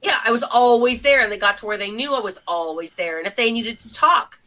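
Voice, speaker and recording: A woman's voice: on the high side, a little fast, pushed and bright. A woman co-hosting a podcast, talking casually and reflectively from experience in an emphatic, opinionated way. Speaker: podcast co-host. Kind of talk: casual opinionated group discussion.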